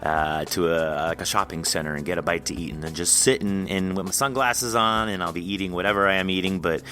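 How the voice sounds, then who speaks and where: Male podcast host, low pitch, crisp bright delivery, rambling friendly chat. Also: steady tone, fairly quick, a little hiss or hum. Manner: friendly, rambling, laughs often. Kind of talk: casual interview chat.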